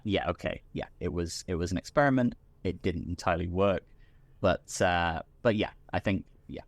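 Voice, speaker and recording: A British man, a podcast guest, talking in a relaxed, rambling way with many restarts. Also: low voice, no echo. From Britain. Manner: chatty, full of restarts and repeated words. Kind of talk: casual chat.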